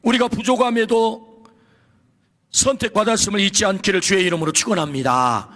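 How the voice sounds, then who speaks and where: A pastor in his fifties preaching a sermon in a church, telling stories with swings from soft to shouting. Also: high voice, a little fast. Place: church sanctuary. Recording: long reverb of a church hall.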